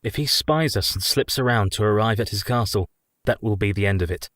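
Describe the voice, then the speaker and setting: An actor playing an earnest young husband in a radio play, measured and resolute. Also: male voice, fairly low pitch, fairly bright tone, no echo, studio quality, lightly acted. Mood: cautious, resolute. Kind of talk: community radio play acting.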